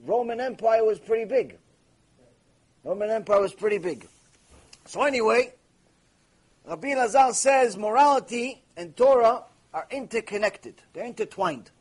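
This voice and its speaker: A man's voice: high voice, normal speed, long pauses. A man teaching a Torah class, asking questions and answering them himself, with Hebrew terms woven into his English. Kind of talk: lively recorded Torah lecture.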